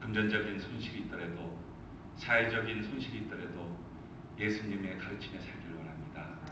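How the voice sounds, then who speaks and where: In a solemn tone, a man with a fairly low pitch speaks at a moderate pace with ordinary pitch variation. Noticeable background noise and audible room echo surround him. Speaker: church elder leading prayer. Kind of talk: fervent congregational prayer. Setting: church. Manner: earnest, pleading, solemn; rhythmic, flowing, fervent petitions. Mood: earnest, reverent. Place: church. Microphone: podium.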